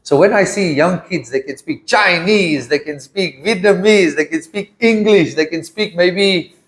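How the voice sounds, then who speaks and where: Man, South African accent, English teacher, classroom chat, patient, slightly high voice. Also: a little slow. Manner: patient, checks in often with questions. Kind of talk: casual classroom talk.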